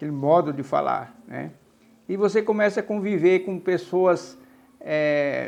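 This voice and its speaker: Fairly slow male speech, high in pitch, with ordinary pitch variation. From Southeast Brazil, São Paulo. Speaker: evangelical preacher. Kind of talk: sermon-style social media talk. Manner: repetitive, halting with self-repeats.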